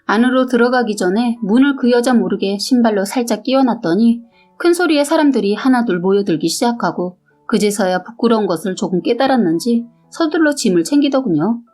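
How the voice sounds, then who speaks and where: A woman narrating a first-person story aloud in a steady storytelling manner. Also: on the high side, brisk, soft background music. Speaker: story reader.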